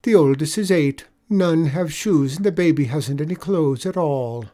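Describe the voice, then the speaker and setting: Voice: mid-range voice, moderate pace, dark tone, pitched above the performer's own voice, close to an everyday voice. A storyteller voicing a sly, wheedling male leprechaun with an Irish accent, spinning a pitiful tale in a storybook reading.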